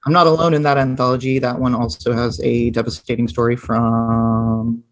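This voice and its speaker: A man speaking as a guest author on a podcast, easygoing and quick to laugh, with many ums. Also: medium pitch, level tone, dry recording, faint music behind. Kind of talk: casual podcast chat.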